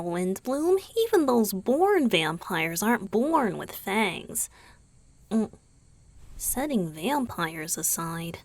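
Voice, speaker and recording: A woman voicing a gentle, caring young male vampire boyfriend in an ASMR roleplay, soft-spoken and often whispery, with murmured hums. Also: a little high, no echo, exaggerated voice.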